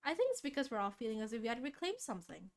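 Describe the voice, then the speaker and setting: A woman's voice: fairly high pitch, very fast, heavy background noise. A woman streamer reading a visual novel aloud expressively, acting out the dialogue as she goes. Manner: expressive, acts out character dialogue. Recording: loud game music behind. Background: game music.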